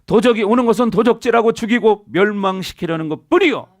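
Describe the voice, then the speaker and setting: A high-pitched man preaches a sermon, repeatedly prompting his congregation for answers and amens. His voice is captured close and dry, with almost no room sound around it. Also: quick pace, no room sound. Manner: preaching with call-and-response to the congregation. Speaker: senior pastor. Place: church sanctuary.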